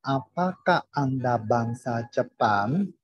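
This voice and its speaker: A man recites language-drill sentences extremely slowly and carefully, as a student would. His voice is husky, and it comes through an online call with a dull, muffled sound. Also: medium pitch, animated, no echo.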